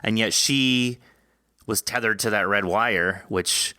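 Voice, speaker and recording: A man hosting a casual interview, talking informally and thinking aloud in an animated way. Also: lowish voice, slow, clean tone, no echo, clean studio sound. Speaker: podcast host interviewing an author.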